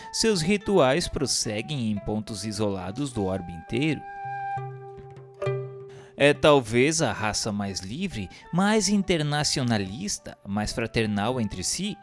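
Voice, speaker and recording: A man giving a solemn, formal and declamatory scripted narration, like an audiobook. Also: mid-range voice. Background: background music.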